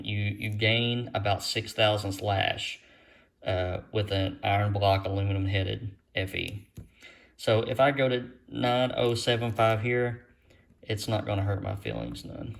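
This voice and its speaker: Male engine builder for casual how-to video: lowish voice, plainspoken, down-home and unassuming delivery. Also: vocal fry. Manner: folksy, plainspoken, modest. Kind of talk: casual hands-on explanation to viewers.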